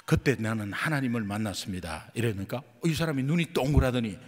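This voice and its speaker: A man's voice: medium pitch, lively intonation, a little fast, breathy edge, in a large hall. A male pastor preaching a sermon in a church, telling a story and acting out the dialogue. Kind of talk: sermon testimony. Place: church sanctuary.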